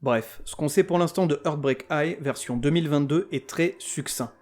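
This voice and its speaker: Male podcast host, slightly high voice, sarcastic and foul-mouthed, comic reviewer. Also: moderate pace, a little mellow. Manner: sarcastic, crude ranting with mock outrage. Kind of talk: scripted comic series review.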